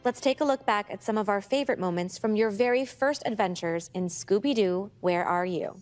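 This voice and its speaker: A woman's voice: medium pitch, fairly quick, a little mellow, faint music behind, close to an everyday voice. A woman playing a polished, reassuring host of a scripted comedy reunion special. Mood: upbeat, presenting. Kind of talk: bright scripted TV presenting in a comedy.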